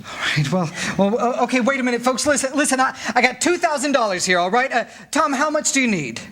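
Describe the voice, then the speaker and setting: A man's voice: extremely high pitch, animated, bright, forceful tone, heavily acted. Flustered young everyman in a 1940s radio drama, stammery and earnest, voice jumps all over. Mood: flustered, reassuring. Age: young adult. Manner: stammering, halting, pleading. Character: earnest, flustered young small-town savings-and-loan man.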